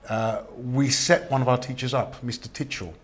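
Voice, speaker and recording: A man's voice: medium pitch, fairly even intonation. A man, born in Cyprus, chatting as an actor guest in an interview and telling stories with many fillers. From born in Cyprus, raised in London. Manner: quick, chatty, with frequent filler hesitations. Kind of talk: relaxed interview storytelling.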